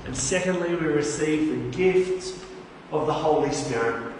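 A man preaching a sermon in an earnest way, slowing down on key words, recorded in a large church hall. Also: a little high, darkish tone, a little hiss or hum. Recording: echoey hall, voice from far off.

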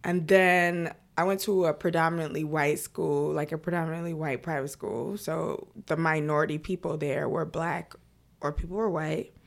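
Young woman, grew up in brooklyn, thoughtful and quick in chat, lowish tone. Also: fairly even intonation, vocal fry. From Brooklyn, New York. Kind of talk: casual chat.

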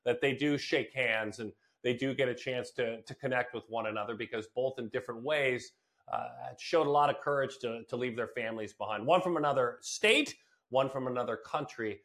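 A man's voice: mid-range voice, brisk, fairly bright tone. A man hosting a conversational sports podcast, speaking earnestly and often repeating words for emphasis. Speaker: podcast host.

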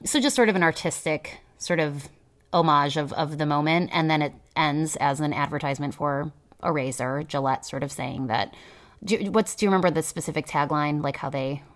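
Brief: low-pitched woman podcast co-host, cynical, hedging, chatty. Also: normal speed. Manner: cynical, hedging, many fillers. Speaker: teacher. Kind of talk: casual podcast chat.

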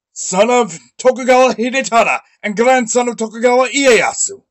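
A man playing a proud, high-voiced wrathful shogun. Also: fairly bright tone, heavily acted. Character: proud, wrathful male Japanese shogun of the Edo period.

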